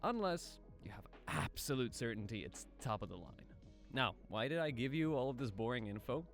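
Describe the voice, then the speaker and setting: A man's voice: medium pitch, expressive, fairly quick, faint music behind. A man narrating a casual explainer video as an aspiring voice actor, informal and self-deprecating, posing rhetorical questions.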